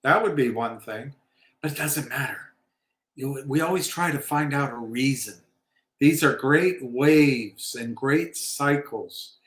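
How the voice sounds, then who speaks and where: Slow, rambling man in a roomy room. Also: mid-range voice, fairly bright tone. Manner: rambling, opinionated, wry asides. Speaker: livestream host. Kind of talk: casual livestream talk on markets. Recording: roomy echo.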